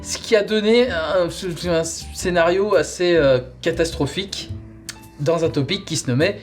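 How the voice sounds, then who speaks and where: A man's voice: high voice, a little slow, faint music behind. A man presenting a comic, conversational review, rambling playfully and drawing out words for emphasis.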